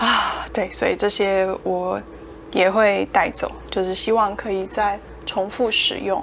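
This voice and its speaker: A woman with a Taiwanese accent talks over noticeable background noise. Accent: Taiwanese Mandarin. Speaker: language teacher. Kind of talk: casual talk to camera. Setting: hotel room.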